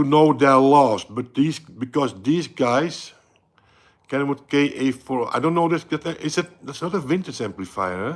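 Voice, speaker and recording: This man has a Dutch accent. His pitch is fairly high. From Netherlands. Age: 60s. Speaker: YouTube host. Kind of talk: live stream chat. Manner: halting.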